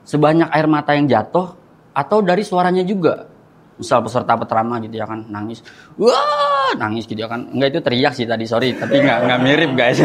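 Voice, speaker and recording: A young man doing stand-up comedy, chatting and often turning to the crowd. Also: medium pitch.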